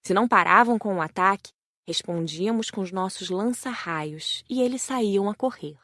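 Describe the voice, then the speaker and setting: A woman's voice: medium pitch, moderate pace, a bit bright, dry recording, clean studio sound. A woman with a Brazilian accent reading a scripted first-person audiobook narration.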